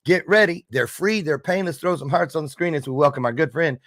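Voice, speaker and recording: A man's voice: on the high side, fairly quick, heavy background noise. Playful male host of a video chat show. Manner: teasing, playful questions. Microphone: video call.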